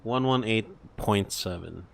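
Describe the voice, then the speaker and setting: With a creaky, somewhat low voice and a slightly slow pace, a man captaining a flight simulator on stream works hesitantly through cockpit procedures out loud. Cockpit ambience and a faint noise floor can be heard.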